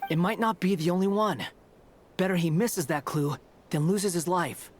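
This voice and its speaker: A man's voice: high-pitched, normal speed, slight background noise, lightly acted. A man voicing a blunt, pragmatic young companion in a video game, curt and matter-of-fact. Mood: cool, resolute.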